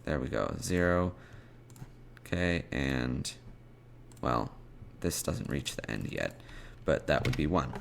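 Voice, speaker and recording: Man, deep creaky voice, coding tutorial, halting think-aloud delivery, keyboard typing. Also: animated, slight background noise. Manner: halting, murmuring code aloud as types. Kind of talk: unscripted screen-share programming tutorial, thinking aloud.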